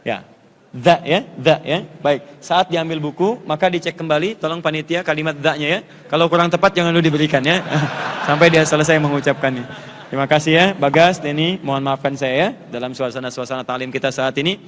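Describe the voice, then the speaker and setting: Man, lively preacher, repeats Arabic letter sounds, slightly high voice, booming hall echo. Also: quick pace, slight background noise. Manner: jokes gently with volunteers. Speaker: Islamic preacher teaching Quran recitation. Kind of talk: live religious lecture with volunteers. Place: lecture hall before an audience. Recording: long reverb of a large hall.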